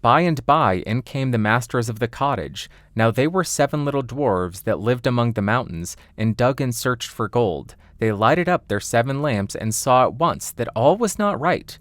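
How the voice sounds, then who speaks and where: A man's voice: medium pitch, lively intonation, moderate pace, few pauses, no echo, studio quality. A man reading a scripted fairy tale as an audiobook narrator.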